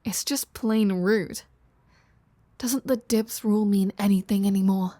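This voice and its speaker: Woman acting a flirty, slow-talking vampire woman, dry sound. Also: medium pitch, steady tone, warm tone, no room sound, lightly acted. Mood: wry, indignant. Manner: teasing, casual, sardonic, with sighs and drawn-out phrasing. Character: flirty, teasing female vampire, sardonic and casually foul-mouthed. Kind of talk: intimate roleplay audio drama addressed to the listener.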